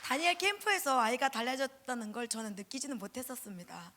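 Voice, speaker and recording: Woman, middle-aged, high voice, pastor's wife, church revival testimony, lively storytelling, acts out quoted voices. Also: fast, background noise.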